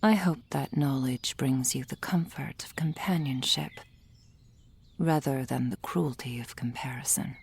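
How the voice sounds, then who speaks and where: A woman voicing a gentle female soul healer in an ASMR roleplay, whispering softly and soothingly into a close microphone. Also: a bass voice, heavily acted. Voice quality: breathy whisper. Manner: soft whispering, slow and soothing. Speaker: ASMR performer.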